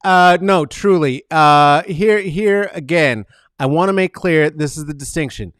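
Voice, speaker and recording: A man hosting a casual comedic monologue, rambling and profane, animated and full of fillers. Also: on the high side, a little slow, no echo, clean studio sound. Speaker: podcast host.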